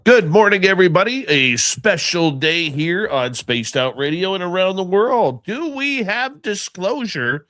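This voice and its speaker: A man's voice: high-pitched, expressive, measured pace, hardly any pauses, a bit bright, no echo. A congested, just-woken-up man hosting a live radio stream, chatting loosely and greeting his viewers by name. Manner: rambling, chatty, affectionate with viewers. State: congested, stuffy nose. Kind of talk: casual live show chat, reading out chat names.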